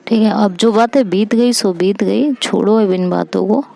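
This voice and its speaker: A woman narrating a story in a chatty, conversational way with quick asides. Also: mid-range voice, gravelly, mellow. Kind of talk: casual spoken storytelling.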